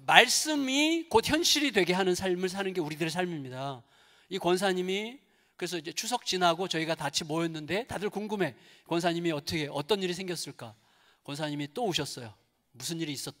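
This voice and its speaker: A male pastor preaching a sermon in a church, telling a story with lively acted-out quotes and prayers. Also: fairly high pitch, brisk. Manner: animated storytelling, acts out quoted prayers and dialogue. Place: large church sanctuary. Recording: long hall reverb in church.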